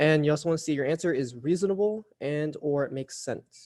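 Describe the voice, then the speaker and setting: Speaking at a fairly quick pace, a man has a fairly high pitch. His tone is dark and mellow. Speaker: online math teacher. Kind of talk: online class lecture. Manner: casual, filler-heavy.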